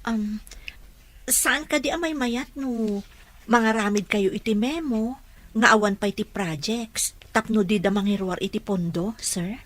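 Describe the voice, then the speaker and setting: A woman's voice: mid-range voice, a little slow, close to an everyday voice. A woman with an Ilocano accent playing a dutiful, concerned household aide in an audio drama. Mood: respectful concern.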